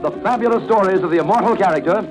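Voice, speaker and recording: High-voiced announcer over zither music. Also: male voice, rapid-fire, low-quality recording. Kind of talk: formal radio announcement.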